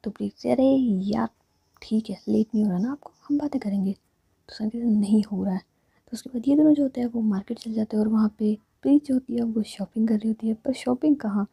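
A young woman telling a love story as whispered role-play, narrating and voicing each character herself in soft whispers. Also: fairly high pitch, a little fast, creaky, slightly rough, no echo.

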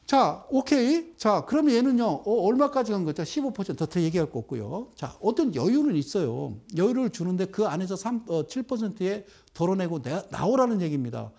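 Animated, high-pitched male stock lecturer. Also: brisk, vocal fry, few pauses. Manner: animated, banters with viewers and asks rhetorical questions. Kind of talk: live broadcast stock trading lecture.

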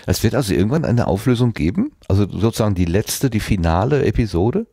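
A man's voice: on the low side, lively intonation, fast talker, gravelly, dark tone, slightly rough, no room sound, clean studio sound. A man interviewing a podcast guest in a conversational way, reflective and thinking aloud as he frames his questions.

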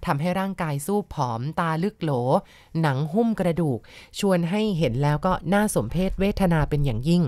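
A woman's voice: on the low side, no room sound. A woman host narrating a ghost story in a polite, conversational way, with asides to her listeners. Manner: polite, conversational, adds soft particles and asides.

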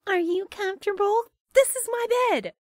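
A woman's voice: very high voice, moderate pace. An actress playing a drowsy, teasing, wary young woman who banters dryly in an audio drama. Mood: teasing, irritated. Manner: dry, bantering.

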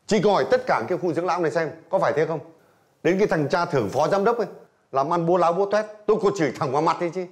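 An actor playing a gruff, fast-talking old man. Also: a little high, natural voice. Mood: indignant. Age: older. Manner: shouts, scolding and defensive. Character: hot-tempered old man, gruff and proud. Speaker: nursing home resident. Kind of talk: TV drama acting.

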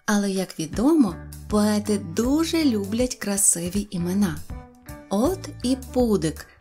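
A woman narrating a children's fairy-tale audiobook in a calm, even storytelling manner. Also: medium pitch.

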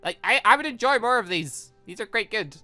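A gaming video host giving casual, chatty, rambling playthrough commentary in an animated way. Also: medium pitch, fairly quick, dry recording. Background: background music.

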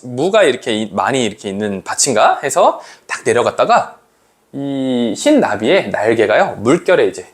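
A man teaching literature to students in a lively lecture, asking them questions and acting out quoted lines. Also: mid-range voice.

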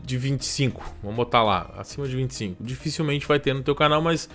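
A man in his thirties with a Brazilian Portuguese accent, giving relaxed, chatty channel advice on a live stream and tossing in quick tag questions. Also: mid-range voice, faint music behind. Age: 30s. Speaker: YouTube growth coach hosting a live stream.

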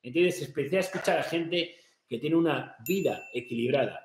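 Brash motivational influencer, somewhat high-pitched, swears constantly and lectures the viewer, recorded in a roomy, echoey office. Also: male voice, moderate pace, a little hiss or hum. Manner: brash, profane and confrontational, gesturing broadly. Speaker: fitness and business influencer. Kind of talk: motivational rant to camera. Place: small home office, indoors. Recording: echoey room.

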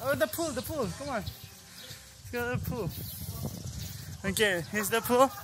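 A young Filipino man hosting a casual house-tour vlog outdoors, talking into a handheld camera and laughing loudly and often. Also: very high-pitched, animated, a little slow, background noise. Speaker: vlogger. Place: outdoors on a hillside estate. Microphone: handheld camera at arm's length.

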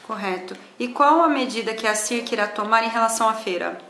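A woman's voice: on the high side, a little fast, bright, forceful tone. A woman with a Brazilian accent, asking interview questions as a reporter. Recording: echoey, faint background noise.

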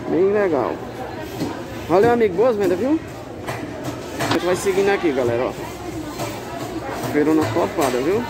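A man's voice: high voice, expressive, moderate pace, pauses often, a loud crowd. A man chatting upbeat through a casual walking vlog at a big covered street market, filmed on a handheld phone. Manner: upbeat, chatty, asks vendors prices. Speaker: vlogger touring a market. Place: large covered open-air street market. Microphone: handheld phone camera. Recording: loud market noise, phone mic.

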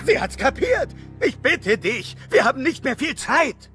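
Ein exzentrischer Abenteurer-Wiesel, quirlig und überdreht. Die Stimme liegt sehr hoch und springt lebhaft. Hinter ihm läuft deutlich hörbare Filmmusik. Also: male voice, extremely high pitch, sing-song, a little slow, over music, exaggerated voice. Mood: urgent. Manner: manic, theatrical, jumps between silly voices. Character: excitable eccentric male weasel adventurer, manic. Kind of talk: German audio drama dubbing.

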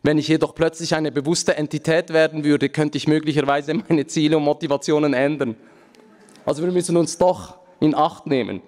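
A man in his thirties, a native Aramaic speaker, giving a relaxed conference talk from a lectern with joking asides and frequent filler sounds. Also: a little high, a little fast. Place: large conference hall, at a lectern. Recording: reverberant hall.

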